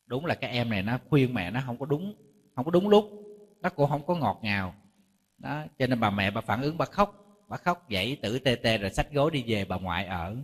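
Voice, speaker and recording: A male Buddhist monk with a Southern Vietnamese accent giving a lively sermon, often asking the audience rhetorical questions. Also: mid-range voice, fairly quick. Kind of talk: dharma talk sermon. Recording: long reverb hall.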